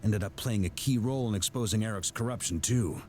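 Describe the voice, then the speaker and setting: An actor voicing a genial, steadfast grandmaster of fantasy knights, easygoing and assured, in scripted game dialogue. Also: male voice, lowish voice, fairly quick, darkish tone, a little hiss or hum, natural voice. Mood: earnest, firm. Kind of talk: scripted game character voice lines. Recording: background music under the voice.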